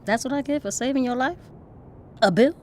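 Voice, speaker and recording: A woman's voice: sits high, brisk, darkish tone, lightly acted. An actress in an audio drama playing a bold, protective woman activist who is kindly to strangers and speaks firm, coaxing Black American vernacular. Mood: wry. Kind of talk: naturalistic audio drama acting.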